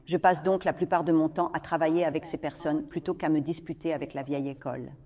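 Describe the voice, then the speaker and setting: A woman voicing the translated answers of an interview guest in an even, read-out manner. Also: deep voice, fast talker. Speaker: dubbed voice-over of the guest. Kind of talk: translated voice-over.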